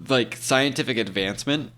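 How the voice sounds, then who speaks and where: A man's voice: medium pitch, moderate pace, fairly bright tone. Man laying out arguments step by step. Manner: lays out arguments step by step with hypotheticals. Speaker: podcast co-host. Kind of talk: casual chat.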